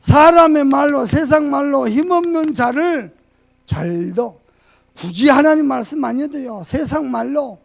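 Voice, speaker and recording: A male pastor preaching a sermon with fervor, swinging between shouted points and quiet asides. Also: extremely high pitch, creaky. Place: church sanctuary.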